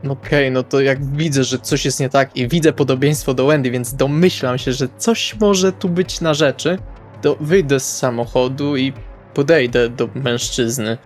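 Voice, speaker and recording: A man's voice: medium pitch, fairly even intonation, moderate pace, faint music behind. A man playing a tabletop roleplay, casually describing his moves and thinking aloud.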